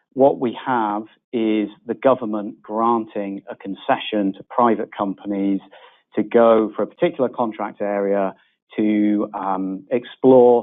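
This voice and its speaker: A man with a British accent, fairly low in pitch, with fairly even intonation, big swings in loudness and a fairly slow pace. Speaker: lawyer. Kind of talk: conference presentation. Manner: halting, with frequent fillers.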